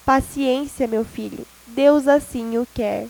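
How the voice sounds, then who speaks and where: A woman's voice: sits high, takes it slowly, creaky, full character voice, rough recording. A woman reading the part of a mild, saintly, long-suffering mother in a spoken storybook. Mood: gentle. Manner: mild and gentle.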